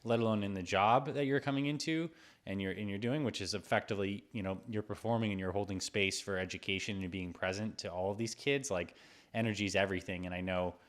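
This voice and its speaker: Male interview host, somewhat low voice, supportive and encouraging. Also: fairly bright tone. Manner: encouraging, affirming. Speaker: podcast host.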